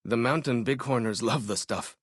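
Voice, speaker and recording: An actor playing a friendly young male tribal scout in a video game, with a casual, folksy and expressive delivery. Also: medium pitch, moderate pace, husky, no echo, studio quality, close to an everyday voice. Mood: friendly, easygoing. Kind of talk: in-game dialogue and combat barks.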